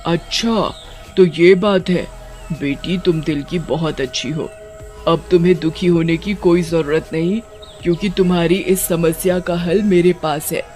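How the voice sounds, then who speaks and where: एक औरत बच्चों की कहानी में नदी से निकली दयालु बूढ़ी चुड़ैल की आवाज़ निकाल रही है, जो नरमी और ममता से बात करती है।. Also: female voice, fairly low pitch, steady tone, unhurried, faint music behind, close to an everyday voice. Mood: gentle. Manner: gentle, soothing. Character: kindly old female river witch. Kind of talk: children's storybook voice acting.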